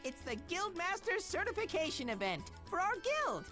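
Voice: extremely high pitch, wildly swooping pitch, moderate pace, sharp tone, soft background music, full character voice. An actor playing a sweet, eager, childlike guildmate in an anime video game dub. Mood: eager, supportive.

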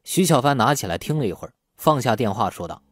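A man's voice: medium pitch, animated, quick pace. A man narrating a novel in a scripted audiobook style.

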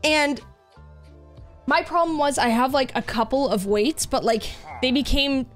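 Young woman game streamer: upbeat, rambling casual chat, a touch high-pitched. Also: a little slow, soft background music. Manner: bubbly, chatty, many filler "like"s.

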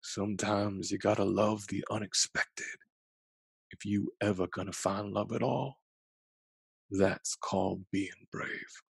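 A man voicing a loving old grandfather in a storybook, talking slowly with folksy, gentle wisdom. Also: on the low side, fairly even intonation, vocal fry, breathy edge, dry recording, full character voice. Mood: wise, reassuring. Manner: folksy, slow, humming "mm-hmm".

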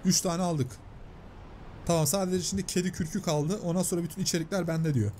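A man's voice: high voice, a little fast, slight background noise. Chatty man narrating a game. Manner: chatty, excitable, translating and paraphrasing on-screen lines. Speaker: gameplay commentator. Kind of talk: let's play commentary, reading game dialogue aloud.

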